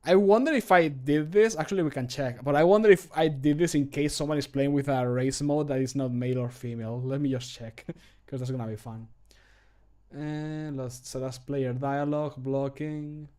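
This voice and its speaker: A man in his thirties talks casually on a livestream while working on game mod voice lines indoors in a small home room. His voice is medium-pitched and warm, at a normal speed, as he muses aloud with self-deprecating jokes and occasional swearing.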